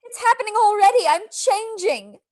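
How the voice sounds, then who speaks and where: High-voiced, frightened young wife. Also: female voice, animated, moderate pace, a little mellow, rough recording. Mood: despairing. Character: frightened, tender young wife cursed by a vampire. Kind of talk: live radio play acting.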